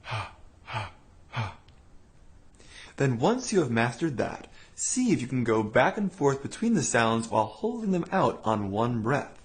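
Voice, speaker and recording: A man teaching a voice lesson, calmly explaining vocal exercises step by step. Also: medium pitch, moderate pace, few pauses. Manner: calm, clear step-by-step explaining with sung demonstration sounds. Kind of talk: instructional voice lesson.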